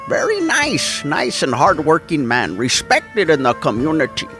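A man plays an older cholo homeowner who rambles through long stories and loses his thread mid-sentence. His voice is high and gravelly with big swoops in pitch, as in a comedy sketch. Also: wildly swooping pitch, measured pace, a bit bright, soft background music, heavily acted. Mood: storytelling. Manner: drawling, rambling, trails off mid-thought. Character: older laid-back male cholo homeowner, rambling storyteller.

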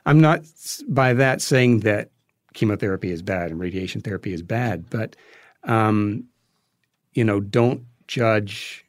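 A man's voice: fairly low pitch, a little slow, no echo, clean studio sound. A man speaking as an interview guest, reasoning thoughtfully and hesitantly in a conversational way. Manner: hesitant, reflective, hedging as he reasons.

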